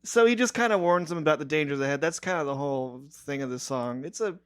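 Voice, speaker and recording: A man with a slightly raised pitch talks music in a loose, conversational style. His delivery is informal and slangy, with joking asides, like a guest on a podcast. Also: quick pace, clean tone. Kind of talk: casual chat about music.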